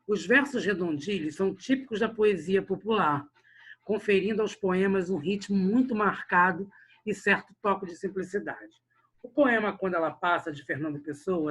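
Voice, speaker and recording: A man teaching a literature lesson online speaks directly to the class, often tagging his sentences with "né?" and "olha só". His voice sits high and is a bit bright and husky.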